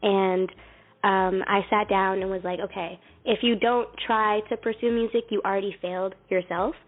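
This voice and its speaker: A young woman singer with a youthful, baby-like voice, answering interview questions casually with soft fillers. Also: medium pitch, steady tone, normal speed. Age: young adult. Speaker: singer guest. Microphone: phone. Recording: tinny phone line.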